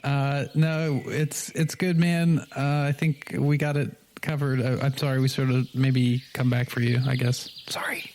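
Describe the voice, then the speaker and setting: A woman's voice: rumbling low, level tone, measured pace, few pauses, darkish tone, a little hiss or hum, voice pushed down. A woman voicing an awkward, apologetic guy adventurer in a hesitant, stammering way for a tabletop game. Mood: sheepish.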